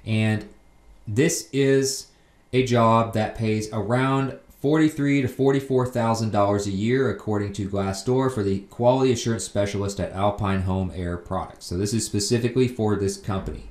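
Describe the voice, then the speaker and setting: A man's voice: fairly low pitch, steady tone, normal speed, a little mellow, echoey room. A man hosting a job tips video, reading out listings and explaining them plainly in a casual narrating style.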